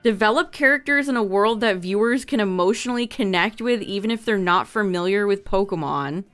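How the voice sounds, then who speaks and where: A woman's voice: mid-range voice, a little fast, a bit bright, faint music behind. A young woman streamer who is losing her voice, chatting casually with her viewers and reading notes aloud with asides. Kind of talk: casual livestream chat to viewers.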